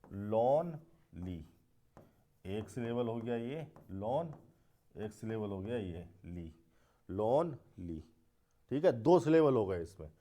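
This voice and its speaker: A man with a mellow, rather dark voice teaches a grammar class. He explains step by step, repeating key words and asking the class rhetorical questions as he goes. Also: on the low side, animated, measured pace. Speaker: English teacher.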